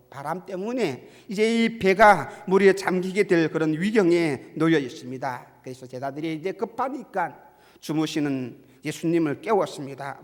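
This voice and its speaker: A high-voiced male pastor preaching a sermon in a church sanctuary. He builds to loud, insistent repeated questions. His voice rings with a long hall reverb. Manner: rises to loud, high-pitched rhetorical repetition.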